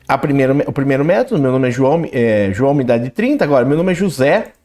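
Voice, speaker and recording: Lively tutor explaining code. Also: male voice, medium pitch, quick pace. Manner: talks while typing code, reads output aloud, frequent "né?" and "ok?". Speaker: programming instructor. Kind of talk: screen-recorded coding tutorial.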